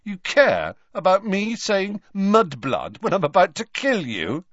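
A man voicing a cornered teenage boy wizard who talks loudly, with a strained, rising voice. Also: sing-song, normal speed, dry recording, dull audio. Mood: sneering. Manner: loud, strained, voice rising in pitch.

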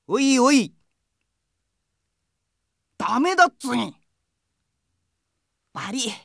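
A woman's voice: sits high, sing-song, very slow, vocal fry, no room sound, clean studio sound, full character voice. A woman playing a brash, friendly teenage boy in an anime game audio drama, talking in casual, cheeky slang like a teasing best buddy. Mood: breezy, cocky.

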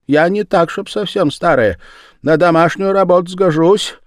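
A man's voice: high-pitched, normal speed, dry recording, voice pushed up, lightly acted. A wistful old peasant woman pleads in a raised, hopeful voice, as a male reader puts her on. Her words come dry and close.

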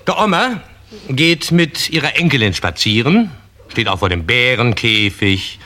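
A man telling a string of jokes in an animated, drawling stage manner. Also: medium pitch, measured pace. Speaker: comedian.

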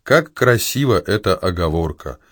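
A man's voice: low-pitched, big pitch swings, normal speed, fairly bright tone, dry recording, studio quality. A man reading his own essay aloud in an ironic, argumentative way.

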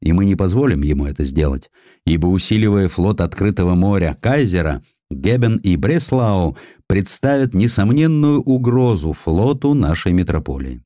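A shrewd British naval lord acted by a male narrator, confident and calculating. He speaks like an orator, measured yet with wide swings in pitch, in a dry audiobook sound. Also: very animated, dark tone, no echo.

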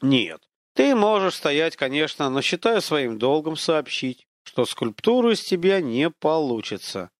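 A man voicing an invisible, boastful male war god who mocks and lectures in a pompous, drawn-out, declamatory way. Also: a little high, big pitch swings, no echo, studio quality. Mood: mocking.

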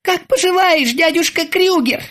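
A man voicing a cold killer cyborg in a woman's body, in a high mocking falsetto. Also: a little slow, fairly bright tone.

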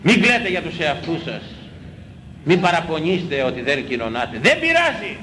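A man, a priest, delivering a sermon in an emphatic, pleading way, repeating phrases and swinging between loud exclamations and hushed lines. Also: a little high, expressive. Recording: echoey room with faint ambient noise.

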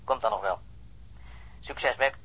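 A man's voice: mid-range voice, a little slow, noisy background, close to an everyday voice. An actor playing a self-assured, businesslike male detective making a telephone report in a radio drama. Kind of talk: Dutch radio drama acting.

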